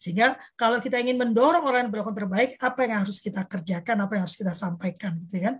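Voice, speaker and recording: A woman's fairly high voice at a very fast pace, with ordinary pitch variation and hardly any pauses. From Surabaya, East Java, Indonesia. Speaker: parenting community host and speaker. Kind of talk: online talk on communication with Q&A. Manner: loud, direct.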